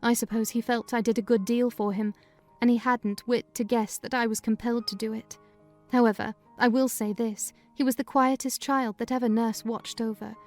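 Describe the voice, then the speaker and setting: A woman giving a dramatized first-person reading of a classic novel in measured, clear storytelling. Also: a little high, level tone, a little mellow, soft background music. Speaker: reader of a novel.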